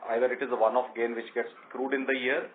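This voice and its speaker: A man with an Indian accent answering questions as a company executive on an earnings conference call, explaining in a measured, halting way. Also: medium pitch, level tone. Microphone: conference call line. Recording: tinny conference phone line with noise.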